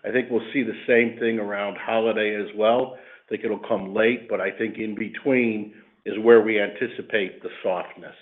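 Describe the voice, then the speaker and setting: Male business executive, lowish voice, halting conversational answers with repeated words, thin telephone audio. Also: steady tone. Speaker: company executive answering analysts. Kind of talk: earnings call answers. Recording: band-limited phone line.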